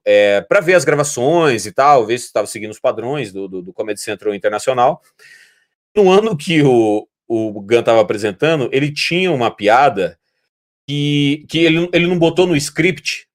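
A man's voice: mid-range voice, normal speed. A man from Brazil chatting casually, telling long, rambling stories and imitating voices. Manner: rambling animated storytelling, imitating other people's voices. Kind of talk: casual chat.

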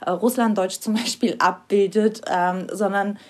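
Halting woman podcast co-host. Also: medium pitch, steady tone. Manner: halting, with frequent hesitations and restarts. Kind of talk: casual conversational interview.

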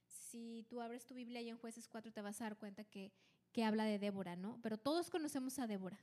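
A woman talks through a Bible passage for her podcast listeners. Her voice sits a bit high, and she tells the story eagerly, often restarting sentences mid-thought. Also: a little fast. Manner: lively storytelling with frequent restarts. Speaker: podcast co-host. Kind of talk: casual Bible study chat.

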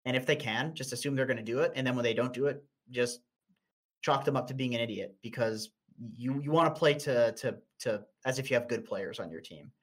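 A man's voice: medium pitch, fairly quick. Young man, casual stream chat, blunt, laughs a lot, stumbles over words.

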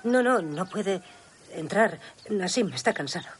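A woman's voice: medium pitch, animated, measured pace, slight background noise, lightly acted. An actress playing an anxious, secretive village mother who answers hesitantly and evasively.

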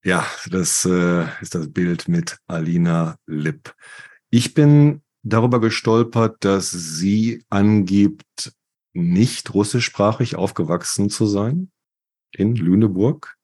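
A man co-hosting a podcast discussion, talking in a measured way with frequent fillers. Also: sits low, darkish tone, husky. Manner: slow, measured, with many fillers. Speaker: podcast co-host.

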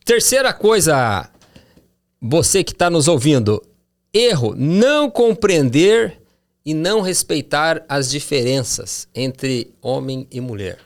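A man with a gravelly, fry-tinged voice talks casually about communication on a Christian talk show. He is lively and animated, leaping up in pitch whenever he acts out someone else's voice. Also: slow.

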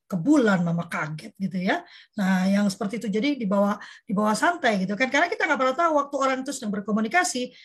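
A woman moderating a discussion, explaining by acting out example dialogues and slowing on key points. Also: fairly high pitch, slightly rough. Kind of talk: discussion talk.

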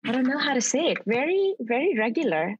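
A woman's voice: high voice, sing-song, brisk, lo-fi sound, slight background noise. Reflective woman from Pakistan. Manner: earnest, reflective, searching for words. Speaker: amateur triathlete guest. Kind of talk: casual interview chat.

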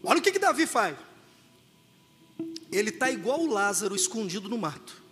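A man's voice: high-pitched, very animated, moderate pace. A Brazilian man preaching a sermon, urging the congregation to respond. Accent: Brazilian Portuguese. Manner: exhorting, rousing the congregation. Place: church hall. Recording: long hall reverb with loud music.

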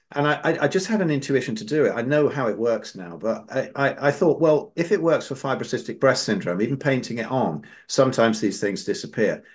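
Man telling a lively story. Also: medium pitch. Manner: animated, rises sharply when quoting others. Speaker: podcast host. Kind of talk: casual storytelling.

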